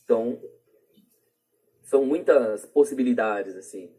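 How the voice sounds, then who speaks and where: A man's voice: medium pitch, measured pace, dark tone, husky, poor audio. A man with a Brazilian accent explaining things casually through examples as a podcast guest.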